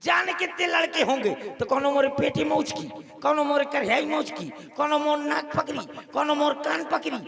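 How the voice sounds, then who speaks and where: A man performs a boastful, clowning comedy monologue on an open-air village stage, shouting and breaking into bits of song. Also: extremely high pitch, normal speed, vocal fry, hardly any pauses. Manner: shouted, boastful rustic clowning with sung snatches. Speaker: comic actor in a village Ramlila. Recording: crowd noise, open-air stage sound. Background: audience laughter.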